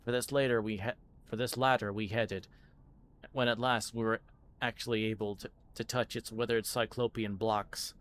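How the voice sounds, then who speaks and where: Low-pitched man reading a story aloud. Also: steady tone, moderate pace, a bit bright. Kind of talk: live audiobook-style story reading.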